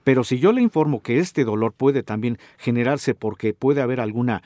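Middle-aged Mexican doctor-host, speaks straight to the listener in a steady, teaching way, dry studio voice. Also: male voice, medium pitch, normal speed, dry recording. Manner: didactic, addresses listener directly with questions. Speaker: doctor hosting a health radio show. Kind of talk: informative radio talk.

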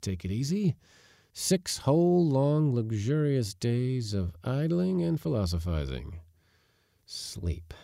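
A man playing a stranded, excitable spaceman in a short story reading, exclaiming and repeating himself. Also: mid-range voice, slow pace, gravelly, dry recording, clean studio sound, voice pushed up, heavily acted. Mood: contented. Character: stranded male spaceman, excitable, easily contented.

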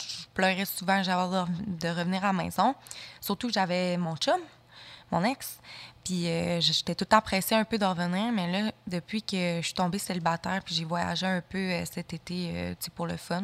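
A woman's voice: fairly low pitch, fairly bright tone. Young Québécois woman chatting casually. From Saguenay, Quebec. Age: young adult. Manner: chatty, lots of fillers. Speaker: guest, fashion model. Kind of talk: casual interview chat.

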